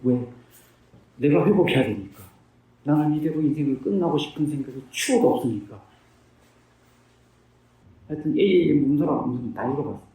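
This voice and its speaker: A man in his fifties gives an earnest, plain-spoken testimony about his recovery, asking himself questions and answering them. His voice is fairly high yet dark in tone, animated, at a moderate pace with long pauses. The room is very echoey and the mic distant.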